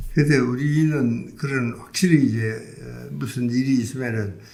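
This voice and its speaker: At a moderate pace, a man speaks in a somewhat breathy, dark, mellow voice at a medium pitch. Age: 80s+. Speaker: psychiatrist. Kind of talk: interview answer.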